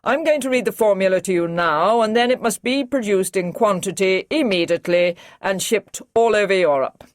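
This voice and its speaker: A woman voicing a brisk, commanding male army brigadier in an audiobook, giving clipped, urgent orders. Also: mid-range voice, no room sound, clean studio sound, close to an everyday voice. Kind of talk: audiobook character reading.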